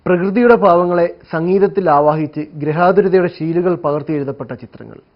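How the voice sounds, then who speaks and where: A man narrating a scripted magazine feature for a programme. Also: brisk. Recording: muffled, low-fidelity broadcast audio.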